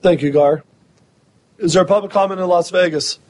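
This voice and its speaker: A man's voice: high voice, brisk, a little mellow. A man chairing a public committee meeting, loose and self-deprecating, a bit flustered as he runs the agenda.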